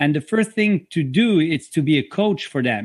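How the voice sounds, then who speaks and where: Speaking with a Quebec accent, a man keeps a moderate pace. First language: French. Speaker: physiotherapist. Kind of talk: interview. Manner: halting.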